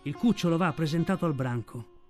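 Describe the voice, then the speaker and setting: Grave father wolf for a radio storybook, read by a man, low and measured. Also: darkish tone, faint music behind, natural voice. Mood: serious. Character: serious steady father wolf.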